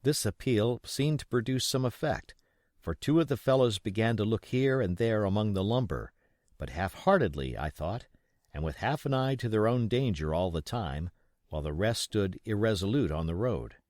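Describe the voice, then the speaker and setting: A man's voice: on the low side, animated, normal speed, a little mellow, no room sound, studio quality. A man reading an adventure novel as an audiobook narrator, in scripted storytelling style.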